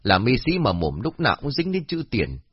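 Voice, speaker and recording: A man's voice: medium pitch, wildly swooping pitch, moderate pace, breathy edge, dry recording, muffled recording. A man voicing a kindly, talkative older village man. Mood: chatty. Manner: chatty and familiar.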